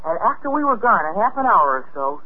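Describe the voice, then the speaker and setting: An actor playing an earnest, excitable boy in a 1950s radio drama, urgent and pleading. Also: sits high, fast talker, slightly rough, heavily acted. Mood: determined urging. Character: earnest, excitable boy convinced of a Martian invasion. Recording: tinny 1950s radio broadcast recording.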